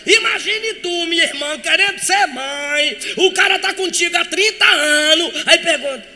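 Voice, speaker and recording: A Brazilian man in his eighties with a Brazilian Portuguese accent, preaching a fervent sermon, often shouting and stretching out emphatic phrases. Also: very high-pitched, normal speed, big-room sound. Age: 80s. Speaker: pastor. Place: large church.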